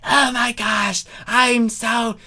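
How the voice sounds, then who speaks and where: A woman's voice: a little high, level tone, very slow, sharp tone, voice pushed up, full character voice. A woman voicing an indignant, argumentative monster queen, dramatic and affronted, in a comic story reading. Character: exploded villainous changeling queen, indignant and argumentative.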